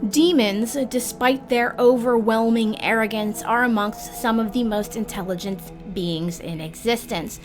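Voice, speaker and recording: A woman hosting a guide series, reading scripted narration in a measured, theatrical manner with formal phrasing. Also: fairly high pitch. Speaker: host of a roleplay guide series.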